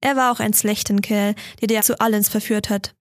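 A woman's voice: medium pitch, fairly even intonation, brisk, dry recording, clean studio sound, close to an everyday voice. A woman voicing a grumpy old male carpenter who scolds in broken, old-fashioned grammar. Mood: scolding.

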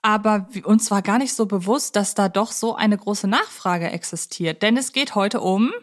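A woman's voice: mid-range voice, normal speed. A woman hosting a podcast in a conversational style, explaining things at chatty length. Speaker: podcast host; film journalist.

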